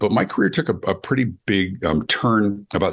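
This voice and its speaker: A man talks with vocal fry. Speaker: customer experience expert and keynote speaker. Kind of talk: interview.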